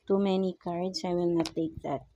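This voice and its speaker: Filipino lady doing tarot, mellow low-key voice, mixes english in, bit of hiss behind. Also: flat delivery, muffled recording. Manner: mixes Tagalog and English, coaxing rhetorical questions; slow, murmured pleading while drawing cards. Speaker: tarot reader. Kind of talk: casual tarot reading.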